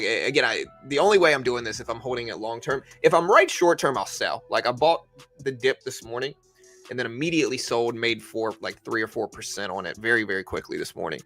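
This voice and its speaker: A man's voice: mid-range voice, pushed and bright. A man hosting a livestream, casually commenting on the stock market and explaining things conversationally as he answers viewers. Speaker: livestream host.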